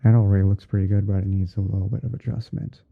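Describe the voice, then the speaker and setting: A man with a very deep voice talks through an editing task on an ASMR stream. He is unhurried, half talking to himself as he works. The audio is narrow and muffled, like a phone line. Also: little pitch movement, creaky. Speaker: streamer hosting a roleplay. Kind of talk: ASMR livestream, narrating photo editing step by step.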